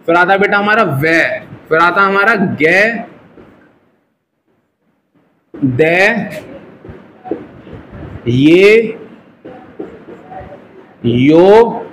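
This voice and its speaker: A young man with a fairly high voice, teaching a live class in a classroom with a faint hum of room noise behind him. His manner is patient and playful, joking with the students as he drills sounds. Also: expressive, very slow, pauses often, a bit bright, low-quality recording. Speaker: Russian language teacher.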